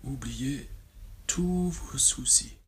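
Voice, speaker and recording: A man guides a relaxation meditation as a yoga nidra teacher, soothing and measured, with long pauses. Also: medium pitch.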